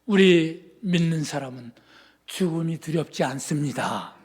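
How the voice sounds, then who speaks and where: A man from Seoul preaching a sermon as pastor, moving between fervent shouting and hushed, soft-spoken asides. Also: on the high side, expressive, unhurried, breathy edge. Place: church sanctuary. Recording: long reverb in a church sanctuary.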